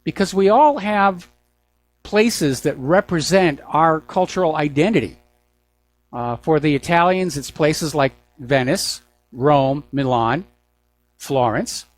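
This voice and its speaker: An older man from the United States hosts a political news talk show, delivering an opinionated monologue in deliberate phrases broken by pauses. His voice is on the high side.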